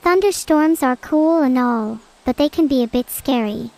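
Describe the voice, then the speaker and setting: A synthetic female AI voice, chatting casually as a stream co-host with dry, deadpan quips. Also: high voice, moderate pace, no room sound, low-quality recording. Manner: deadpan, matter-of-fact quips. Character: female AI vtuber, dry and teasing.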